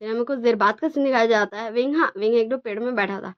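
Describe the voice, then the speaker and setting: A woman's voice: on the high side, quick pace. A woman telling a story she wrote, in a chatty way, with frequent fillers and English words mixed in. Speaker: storyteller and channel author. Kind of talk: casual spoken story narration. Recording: dull lo-fi recording.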